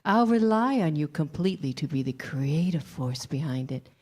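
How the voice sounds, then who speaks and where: A woman's voice: low voice, animated, moderate pace, a little mellow. A woman playing a seductive, manipulative Hollywood producer with a condescending streak in a staged reading.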